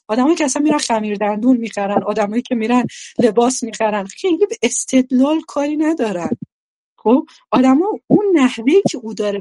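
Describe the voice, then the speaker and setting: A woman lecturer giving an animated talk to teenage students, speaking straight to them with many restarts. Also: fairly high pitch, no room sound.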